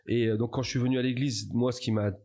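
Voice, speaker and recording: A man's voice: mid-range voice, level tone, fast talker, darkish tone. A man speaking as a podcast guest, sharing personal testimony, hesitant and often repeating himself as he searches for words. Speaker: podcast guest, church member.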